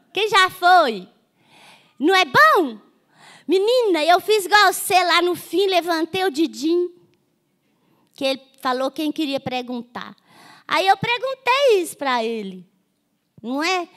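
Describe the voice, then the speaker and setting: An older woman with a Minas Gerais accent spins humorous folksy stories as a guest author on a panel. Her voice sits high and bright. She keeps pulling the listener in with little "não é?" questions. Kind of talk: folksy storytelling on a festival panel.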